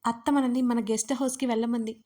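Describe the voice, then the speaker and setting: A woman's voice: a little high, steady tone, quick pace, lightly acted. A woman voicing a pouting, pleading young wife in a romance audio story, coaxing and pouty.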